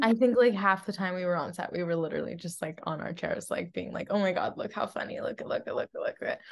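Speaking at a very fast pace, a woman goes on with hardly any pauses. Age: 20s. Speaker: actress. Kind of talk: interview. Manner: casual, filler-heavy. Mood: cheerful, animated. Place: home room. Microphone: video call.

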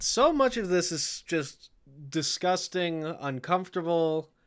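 Music playing behind a man's very slow-paced speech. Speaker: cartoon reviewer. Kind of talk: casual commentary. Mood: amused, mock disgusted.

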